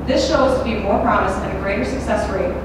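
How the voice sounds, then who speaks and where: A young adult woman, a student debater, arguing quickly and assertively in a formal debate. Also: medium pitch. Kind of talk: formal debate, cross-examination. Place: large echoey university hall. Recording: echoey hall, distant mic, background noise.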